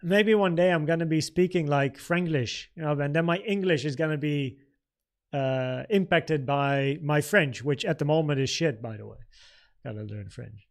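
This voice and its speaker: A man in his thirties from the Netherlands, with Dutch as his first language, hosts a live trading stream. His voice sits a little higher than average. He talks informally, thinking aloud as he reads and answers comments from viewers. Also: moderate pace. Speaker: trading livestream host. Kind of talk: casual livestream Q&A and market commentary.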